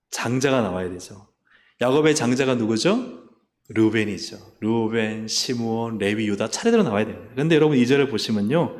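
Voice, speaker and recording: A man's voice: medium pitch, a little mellow. A male pastor preaching a sermon and putting questions to the congregation. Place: church sanctuary. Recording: long reverb of a church hall.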